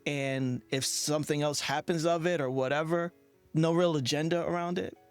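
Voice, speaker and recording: A man's voice: a little high, steady tone, moderate pace, clear, resonant tone, faint music behind. A man hosting a podcast interview in a conversational, affirming and reflective way.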